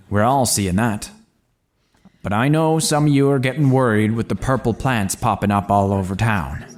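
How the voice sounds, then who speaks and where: An actor playing a gruff small-town cafe owner in an audio drama, blunt and commanding. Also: male voice, mid-range voice, close to an everyday voice. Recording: music behind the voice.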